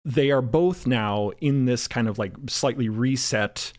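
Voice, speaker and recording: A man speaking as a panelist in a casual roundtable, thoughtful and halting, restarting phrases as he explains. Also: mid-range voice, a little mellow. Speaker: podcast co-creator and panelist.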